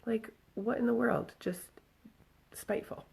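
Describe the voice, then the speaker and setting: A woman's voice: on the high side, steady tone, unhurried, a little mellow. A woman with a scratchy voice telling a story and giving reflective advice casually to followers on a handheld phone. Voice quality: scratchy, husky voice. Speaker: vlogger speaking to followers. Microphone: handheld phone at arm's length.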